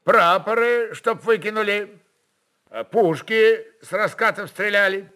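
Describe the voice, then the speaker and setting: A man voicing a bold, insolent Cossack envoy who declaims deliberately in an audio story. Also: sits high, bright, forceful tone, clean tone, voice pushed up. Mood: bold demanding.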